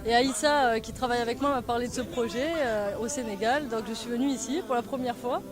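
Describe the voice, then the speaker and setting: A woman's voice: a little high, quick pace. A woman from France answering an interview, hesitant, with many fillers. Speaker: workshop participant. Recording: music playing over the voice.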